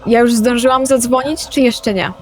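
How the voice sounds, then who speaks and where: Taking part as a player in a tabletop role-playing game, a woman states her actions and talks through the rules. She speaks at a moderate pace in a slightly high voice with fairly even intonation, music playing behind her.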